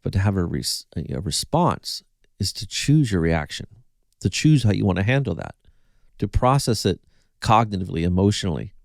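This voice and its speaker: A man with a fairly low voice talks viewers through an analogy in the manner of a recovery coach. He tells it like a story, voicing people's reactions along the way. The sound is dry and close, with no room around it. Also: moderate pace, gravelly, no echo. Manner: animated storytelling, acting out quoted reactions.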